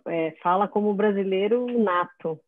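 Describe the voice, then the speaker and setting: A woman's voice: medium pitch, steady tone, moderate pace, no echo, phone-quality sound. A woman chatting in a conversation, thinking aloud as she talks.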